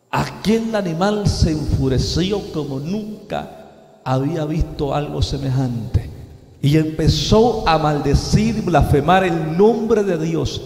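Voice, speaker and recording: A man preaching a dramatic testimony sermon, swinging from hushed to shouting. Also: on the high side, slight background noise. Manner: impassioned, swings between hushed and shouting, keeps calling "hermano". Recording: echoey hall with long reverb.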